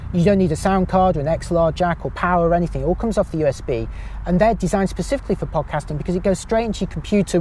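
Man, high tenor voice, chatty podcast guest, self-mocking, light street noise behind. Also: darkish tone. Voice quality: high-pitched voice. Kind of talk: casual chat.

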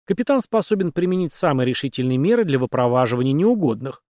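A man narrating an audiobook with expressive storytelling. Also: medium pitch, fast talker, no room sound, clean studio sound. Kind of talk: scripted narration.

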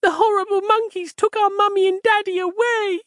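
A man doing a shrill, sobbing little girl. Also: fairly even intonation, moderate pace, fairly bright tone, no room sound, studio quality. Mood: wailing. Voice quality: shrill and tearful.

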